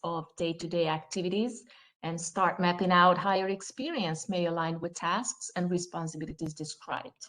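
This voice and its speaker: A woman's voice: fairly low pitch, moderate pace, fairly bright tone. A woman presenting recruitment advice in a webinar over a video call, reading prepared points with some fillers.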